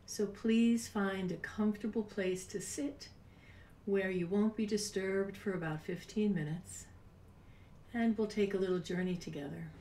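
Slow, soft older woman guiding meditation. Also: mid-range voice. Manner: soft, breathy, unhurried delivery with long pauses, at times near a whisper. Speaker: guided meditation host. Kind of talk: soft, soothing guided meditation. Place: small home room, indoors. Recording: roomy, distant mic with background noise.

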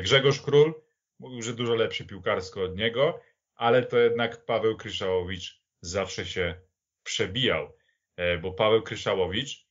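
A man giving conversational football commentary, halting at times and repeating words for emphasis. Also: lowish voice, a bit bright. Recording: dull, lo-fi audio.

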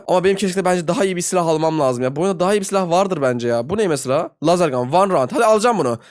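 Fast, lively young gaming commentator man. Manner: excitable, yelps high in frustration; talks to viewers and players in slangy banter. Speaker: gaming video host. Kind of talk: live gameplay commentary.

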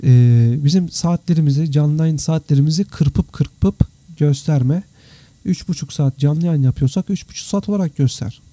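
Hosting a casual live Q&A from his computer indoors with screen share, a 3D visualization teacher reads out viewer comments and answers them, speaking to viewers as friends in a chatty, informal way. His voice is mellow, very dark-toned and a little high, at normal speed in a dry recording. Three hours of talking have left him tired and slightly worn.

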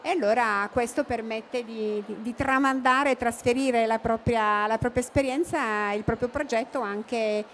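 A middle-aged woman speaks with a slightly high voice and lots of hesitant fillers. She answers interview questions into a handheld mic, with faint background noise at an expo booth. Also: fairly even intonation, moderate pace, hardly any pauses, a bit bright. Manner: hesitant, many fillers and restarts. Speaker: interviewee, cooperative representative. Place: expo booth studio, indoors.

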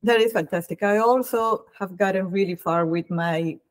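Hosting a relaxed interview over video call from home, this woman in her thirties speaks Spanish as her first language and has a Colombian accent. Her mid-range voice moves at a moderate pace, chatty and full of restarts.

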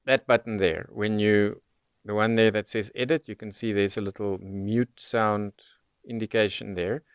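A man's voice: fairly low pitch, steady tone, normal speed, clean tone, no echo. A man presenting an unscripted product demonstration, explaining things methodically, step by step. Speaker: presenter of radio tutorial.

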